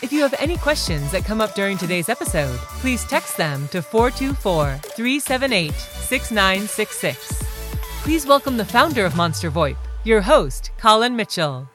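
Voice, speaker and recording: A woman gives a polished, scripted intro for a podcast. Her pitch moves a lot, and clear music plays under her voice. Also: normal speed. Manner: polished, lively delivery. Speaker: show announcer.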